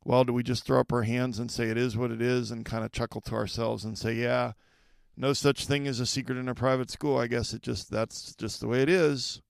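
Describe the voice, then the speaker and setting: A man's voice: mid-range voice, gravelly, no echo, clean studio sound. A middle-aged man hosting a podcast for school leaders, talking conversationally, repeating key points and checking in with listeners. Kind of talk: solo podcast advice talk.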